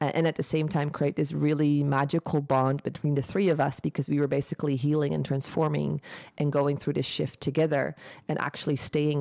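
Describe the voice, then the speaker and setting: In a Dutch accent, a woman speaks at a fairly quick pace with a very deep, low pitch, a dark, mellow tone and monotone, flat intonation, on a very clean recording with a silent background. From Netherlands. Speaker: Tantra teacher and podcast host. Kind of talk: solo personal storytelling monologue.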